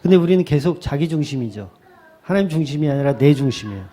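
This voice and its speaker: A male pastor preaching a sermon in a lively way, slipping into quick acted asides. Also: fairly high pitch.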